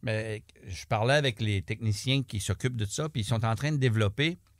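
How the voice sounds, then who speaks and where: A man speaks with lively intonation. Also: very clean recording, silent background. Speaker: teacher, badminton umpire and comedian. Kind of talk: interview. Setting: studio. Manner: animated.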